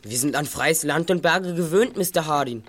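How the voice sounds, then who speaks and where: A man's voice: on the high side, normal speed, a bit bright, slight background noise, close to an everyday voice. A male actor playing a clever teenage detective in a radio play, articulate and self-assured. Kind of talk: German radio play acting.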